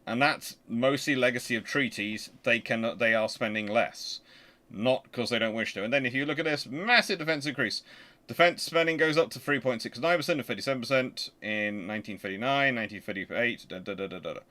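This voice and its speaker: A man with a medium-pitched voice gives an informal live explanation as a history host. He thinks aloud in a conversational, halting way, sometimes muttering to himself as he works. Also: bright, forceful tone.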